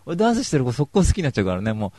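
A man's voice: medium pitch, racing, dry recording. A young man hosting a live radio talk show, telling stories in a casual, joking way. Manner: animated, joking storyteller.

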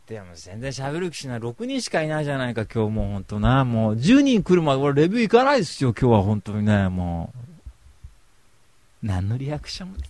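A man's voice: mid-range voice, darkish tone, dry recording. A man hosting an online radio show, talking in a casual, rambling monologue full of slangy rants and self-mockery. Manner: ranting, slangy, self-mocking.

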